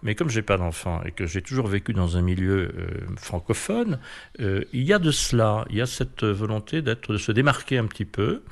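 This interview guest, a man with a French accent, has a lowish, creaky voice and sounds animated at a normal pace. His answers in the reflective conversational interview are thoughtful and hesitant, with lots of fillers and restarts.

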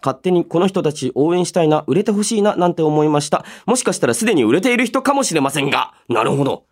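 A man's voice: fairly high pitch, very animated, fast talker. A man in his thirties hosting a radio show solo, reading listener mail and musing aloud in a polite but casual way.

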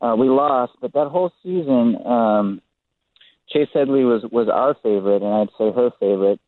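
A man's voice: medium pitch, moderate pace, no echo. Man, phone-in guest, muffled as if through a wall, tinny narrow line, hesitant. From San Diego, US. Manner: hesitant, many ums. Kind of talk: casual radio chat.

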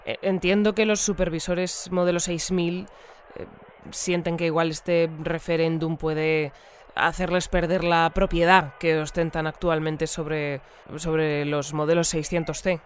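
A woman's voice: deep voice, little pitch movement, measured pace, slight background noise. A woman playing a composed but easily puzzled radio newsreader in an audio fiction, presenting in a formal announcing manner. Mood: puzzled, probing. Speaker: news presenter. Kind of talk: scripted radio bulletin and interview in audio fiction.

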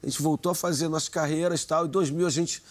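A man's voice: on the high side, steady tone, fast talker. Wry carioca man spinning band stories. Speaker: band member, guest. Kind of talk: casual storytelling in an interview.

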